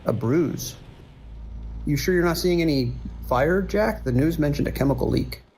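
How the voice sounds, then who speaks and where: A man's voice: a little high, expressive, moderate pace, darkish tone, a little hiss or hum, poor audio. A man playing an earnest, worried long-haul trucker and army veteran in a horror audio drama, speaking plainly and steadily in radio procedure. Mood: concerned, disbelieving.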